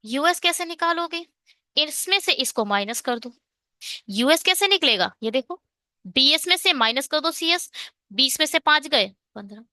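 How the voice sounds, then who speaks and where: A woman's voice: sits high, expressive, normal speed, bright, forceful tone, dry recording, clean studio sound. A woman teaching an online exam-prep math lesson, working through a problem step by step and asking and answering her own questions.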